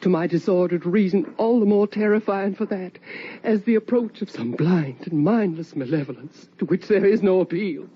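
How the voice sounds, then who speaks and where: An actress playing the sorrowful ghost of a middle-aged mother in a radio drama, with a halting, brooding delivery. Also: on the low side, natural voice. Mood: hushed dread. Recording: dull, noisy old-time radio recording.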